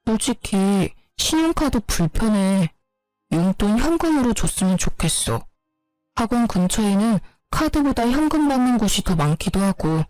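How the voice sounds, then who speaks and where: Evasive young husband, defensive and smooth-talking, read by a woman. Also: medium pitch, big pitch swings, normal speed, darkish tone, dry recording, faint music behind, close to an everyday voice, poor audio. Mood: calm. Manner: defensive, brushing off accusations.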